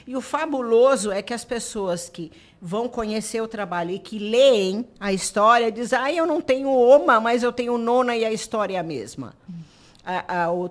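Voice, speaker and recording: Animated woman storyteller. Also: medium pitch. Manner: animated storyteller who acts out quoted dialogue. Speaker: artisan association president. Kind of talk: radio interview.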